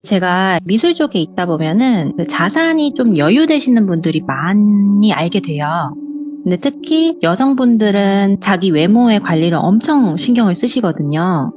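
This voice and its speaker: A woman's voice: mid-range voice, expressive, moderate pace. A woman guest telling true scary stories in a conversational way. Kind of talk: conversational storytelling. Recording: music playing behind the voice.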